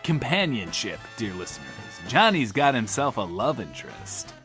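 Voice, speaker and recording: Manic bunker radio host, lonely, theatrical, rambling, highly animated pitch, middle register, comic audio drama. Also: male voice, moderate pace, faint music behind. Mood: exuberant. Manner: theatrical, rambling, refers to himself in third person.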